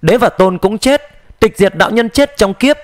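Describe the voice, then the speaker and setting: A man voicing an old immortal whose last written words are read out, brisk and rueful. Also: sits high, expressive, dry recording, clean studio sound.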